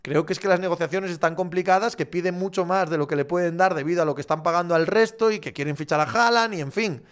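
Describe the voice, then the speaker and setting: Lively Asturian man, sports chat. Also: sits high, quick pace, hardly any pauses. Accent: Asturian Spanish. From Asturias, Spain. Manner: animated, swears, acts out shouting fans. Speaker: sports journalist answering viewer questions. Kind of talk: casual live chat.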